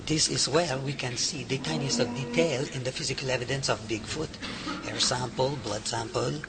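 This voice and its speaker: A man's voice: medium pitch, moderate pace, lightly acted. A man playing a gushing, affectionate French researcher with a French accent in an amateur radio drama. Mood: explaining. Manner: gushing, enthusiastic, overfamiliar.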